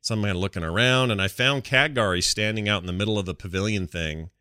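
A man with a fairly low, crisp voice hosts a casual gaming podcast. He talks in an animated, jokey way and slips into imagined dialogue. The sound is dry and close. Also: quick pace, dry recording. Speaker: podcast host.

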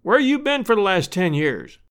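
A man's voice: high voice, very animated, moderate pace, a bit bright, pitched above the performer's own voice, exaggerated voice. A man voicing a friendly rural husband and father in a storybook, with a folksy drawl. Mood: amused. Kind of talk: storybook character voice.

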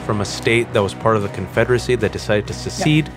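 A man in his forties talking candidly as an interview guest, earnest and animated, with self-mocking storytelling. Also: lowish voice, fast talker, music in the background. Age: 40s. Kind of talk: candid conversation.

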